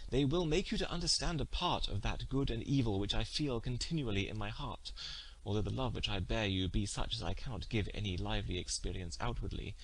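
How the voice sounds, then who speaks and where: A man's voice: lowish voice, brisk, rough recording. A man reading as a lovesick young nobleman, formally pleading. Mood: earnest pleading. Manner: formal, ornate, entreating speech. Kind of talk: storybook character dialogue.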